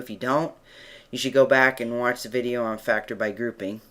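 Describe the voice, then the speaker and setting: Speaking at a fairly quick pace, a man uses a bright, sharp tone. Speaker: math teacher. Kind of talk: tutorial. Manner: fast; casual.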